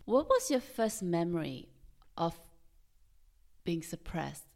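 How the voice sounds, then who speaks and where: Calm low-voiced woman podcast host. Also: slow, vocal fry. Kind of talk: podcast interview.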